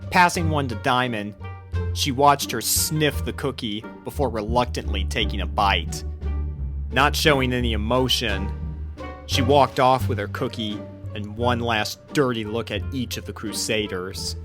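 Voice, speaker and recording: A man's voice: medium pitch, a little slow. A man reading a fan fiction story aloud as its narrator, in scripted storybook narration. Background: background music.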